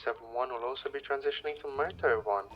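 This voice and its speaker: A police officer calling in terse radio codes, heard over a walkie-talkie. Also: male voice, mid-range voice, lo-fi sound, noisy background. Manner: clipped, quick radio callouts.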